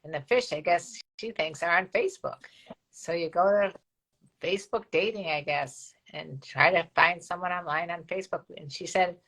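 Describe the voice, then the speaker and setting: Older woman host, frank and racy, low bright tone, reads viewer comments. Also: moderate pace, poor audio. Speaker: co-host of a live stream show. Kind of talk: casual chat.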